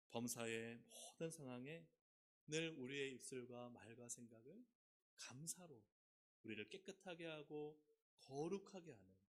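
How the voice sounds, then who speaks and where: Korean pastor preaching with sweeping emphasis. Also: male voice. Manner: asks the congregation questions and leads responsive reading with sweeping pitch swings. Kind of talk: sermon. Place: church sanctuary.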